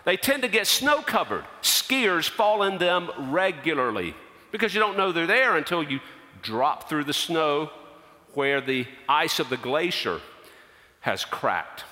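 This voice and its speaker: A middle-aged male pastor telling a personal story in a sermon, animated and dropping his voice low for emphasis. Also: measured pace. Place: church. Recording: long hall reverb.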